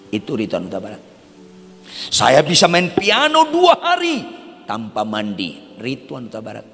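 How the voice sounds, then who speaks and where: Animated older male preacher in echoey hall. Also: mid-range voice, a little slow, creaky. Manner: animated, self-mocking, swings from loud outbursts to hushed asides. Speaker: pastor and theology lecturer. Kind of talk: humorous sermon storytelling. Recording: long hall reverb, faint music.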